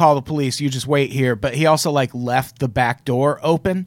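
A man in an American accent uses a normal speaking voice, fairly high in pitch, with fairly even intonation. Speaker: podcast host. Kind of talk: casual chat.

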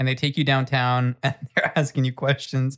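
In a very clean recording with a silent background, a man speaks in a fairly high pitch. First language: not English. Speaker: comedy podcast co-host. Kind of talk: casual chat. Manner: animated, laughing often.

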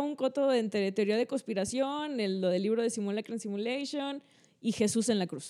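A woman's dark, mellow voice carries lively intonation at a moderate pace. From Mexico, Monterrey. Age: 30s. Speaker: comedian and streamer. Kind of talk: casual chat.

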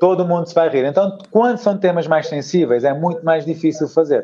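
This man has a normal speaking voice, fairly high in pitch. He talks at a moderate pace with ordinary pitch variation. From Cape Verde. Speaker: stand-up comedian. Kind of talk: casual chat.

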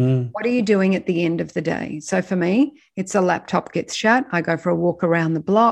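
Talking at a fairly quick pace with hardly any pauses, a woman with an Australian accent uses a fairly low pitch and lively intonation over a quiet background. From Australia, Melbourne. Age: 50s. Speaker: executive life coach. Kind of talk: podcast interview.

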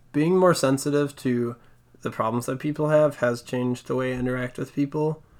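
In a very clean recording with a silent background, a man speaks quietly at a moderate pace. His pitch is fairly high. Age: 20s. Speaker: host's younger brother. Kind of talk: casual chat. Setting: recording at home in an office. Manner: quiet, reserved.

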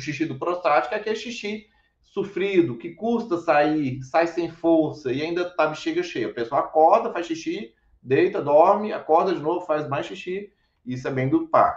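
Ordinary pitch variation marks this man's high-pitched speech. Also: moderate pace. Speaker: doctor, clinic director. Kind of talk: live-stream medical lecture with Q&A. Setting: live stream.

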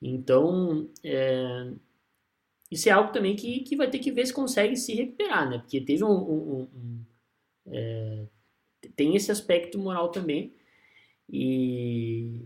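Very slowly and with long, frequent pauses, a man speaks at a fairly high pitch that swings very widely. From southern Brazil, Porto Alegre. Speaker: football pundit. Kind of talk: casual chat.

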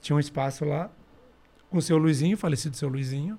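Talking fairly quickly, a man uses a fairly high voice. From Rio Grande do Sul, Brazil (Alegrete). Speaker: martial arts master. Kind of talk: podcast interview.

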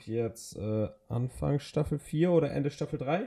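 A man talks at a fairly slow pace with a dark, mellow tone, lively intonation and a somewhat breathy sound. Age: 20s. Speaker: podcast co-host, apprentice. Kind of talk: casual chat. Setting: indoor home studio. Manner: halting, repeats words.

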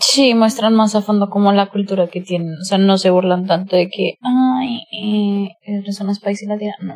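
At a fairly slow pace and with hardly any pauses, a woman of medium pitch talks with fairly even intonation in an unremarkable speaking voice. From Colombia. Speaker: podcast co-host. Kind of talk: casual chat.

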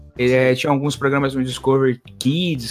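Here is a man with a plain, everyday voice at a medium pitch. He talks at a fairly quick pace. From Tocantins, Brazil. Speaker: YouTuber. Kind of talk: casual chat.

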